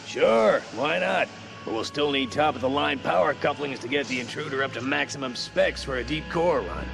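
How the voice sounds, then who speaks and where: An actor playing a roguish, swaggering old space pirate with a gravelly voice in an audio drama. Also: male voice, medium pitch, animated, moderate pace, music in the background. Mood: gruff, hearty. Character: wild old male space pirate with golden heart. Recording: faint background noise.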